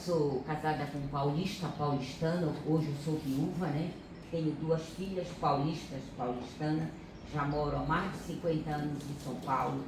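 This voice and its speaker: A woman's voice: sits low, steady tone, moderate pace. An older woman from Pará with a Pará accent, speaking earnestly in a group meeting and repeating herself for emphasis. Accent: Pará Brazilian Portuguese. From Pará, Brazil. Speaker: reading circle participant. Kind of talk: casual remarks in a group meeting. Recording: echoey room from far off, noisy.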